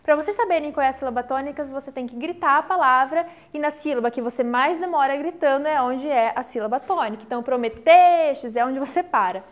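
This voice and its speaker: A woman teacher, giving an online literature lesson, explaining step by step and often checking in with the class. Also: high-pitched. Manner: explains step by step, counts syllables slowly aloud; checks in with frequent "tá?".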